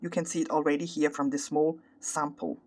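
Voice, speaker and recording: A woman with an Italian accent, a native Italian speaker, explaining a craft tutorial carefully, step by step and with pauses. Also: deep voice, flat delivery, a little mellow. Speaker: crochet tutorial host. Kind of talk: instructional craft tutorial, unscripted.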